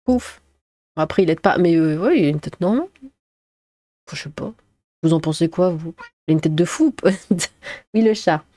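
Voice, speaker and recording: A woman's voice: fairly low pitch, expressive, moderate pace, pauses often, mellow, dry recording. Rambling sarcastic woman streaming from home. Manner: hesitant and rambling, sarcastic asides. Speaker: streamer reacting to chat. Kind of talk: casual livestream commentary. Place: at home, cat nearby.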